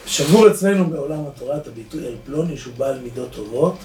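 A man, a rabbi giving a lively Torah lesson to a live audience, asking rhetorical questions and swinging between loud and soft. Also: medium pitch. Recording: echoey room, distant mic, faint noise.

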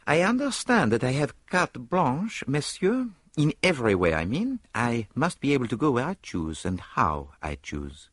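A man voicing a fussy, excitable Belgian detective in an audiobook, talking in theatrical bursts. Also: slightly rough, dry recording, clean studio sound. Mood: animated, pondering. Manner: theatrical, rising pitch, quick bursts. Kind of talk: audiobook character voice.

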